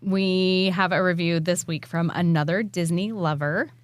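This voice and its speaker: A woman co-hosting a podcast, easygoing and quick to laugh, reading listener reviews and going over news. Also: fairly low pitch, steady tone, no room sound. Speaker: podcast co-host.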